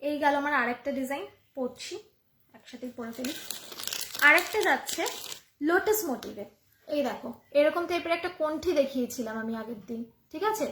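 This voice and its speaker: A woman's voice: high-pitched, brisk, bright, forceful tone, a little hiss or hum. A woman with a Bengali accent selling jewellery on a live phone stream from home, chatty and repeating each price to viewers. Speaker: online jewellery seller. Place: home room. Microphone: phone camera. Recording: echoey room.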